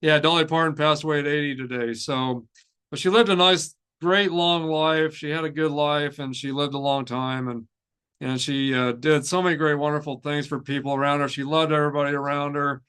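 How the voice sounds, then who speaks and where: A man hosting a music news show, speaking in a casual, off-the-cuff way with halting, rambling delivery and repeated phrases. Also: on the high side, fairly even intonation, fairly bright tone, clean tone. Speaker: host of a heavy metal news show.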